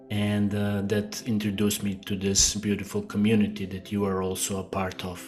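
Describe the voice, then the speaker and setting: Man, middle-aged, from Croatia, slow halting speech, flat low voice, faint music behind. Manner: slow and hesitant, many fillers and restarts. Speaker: guest. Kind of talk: casual interview talk.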